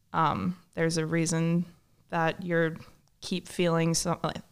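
On a very clean recording with a silent background, a woman with an ordinary speaking voice talks at a fairly slow pace and a fairly low pitch. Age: 20s. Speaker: chiropractor and trauma survivor. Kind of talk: interview testimony.

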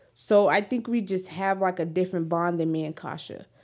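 A woman's dark, mellow, medium-pitched voice in a very clean recording with a silent background. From New Mexico. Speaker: mother recovering from addiction and crime. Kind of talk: interview.

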